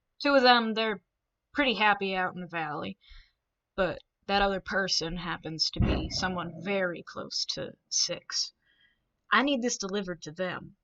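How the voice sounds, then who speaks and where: A put-on character voice drawls at a moderate pace in a Western US accent. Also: woman, medium pitch for a woman. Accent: folksy Western drawl. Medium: actual play. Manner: folksy, friendly, drawling.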